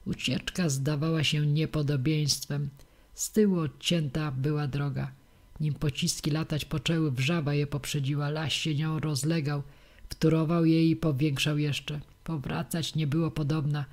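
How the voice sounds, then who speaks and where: A woman narrating a classic novel for an audiobook. She reads in a measured, steady way through long passages. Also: low-pitched. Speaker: audiobook reader.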